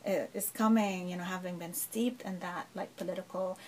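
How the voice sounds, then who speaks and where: A middle-aged woman professor from Lebanon, appearing as a guest, answers interview questions thoughtfully, using frequent fillers and rhetorical asides. Her voice is fairly low and a little mellow, with fairly even intonation and normal speed. The recording is low quality with slight background noise.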